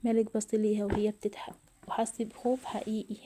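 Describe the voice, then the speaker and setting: Soft-spoken Egyptian woman storyteller. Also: mid-range voice, little pitch movement, fairly quick, background noise. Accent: Egyptian Arabic. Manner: soft, often whispered delivery. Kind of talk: storytelling narration.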